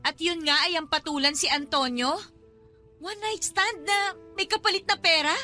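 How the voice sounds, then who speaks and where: A woman's voice: extremely high pitch, normal speed, pushed and bright, faint music behind. An actress playing a distressed, reproachful young daughter in a radio drama, questioning her mother with open emotion. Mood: wary.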